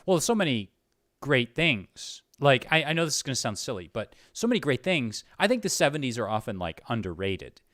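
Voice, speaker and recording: A man's voice: mid-range voice, big pitch swings, fairly quick, fairly bright tone, no echo, clean studio sound. A man in his late forties hosting a casual interview, rambling through his questions with frequent asides. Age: late 40s. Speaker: interviewer, host.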